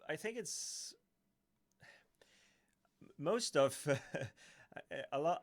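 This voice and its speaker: A man's voice: medium pitch, a bit bright, smooth. A man from Sweden with a Swedish accent, speaking English as a second language, hosting a casual live-stream Q&A and reading out viewer comments, hesitant and full of restarts. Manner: hesitant, many restarts and fillers, chuckling often.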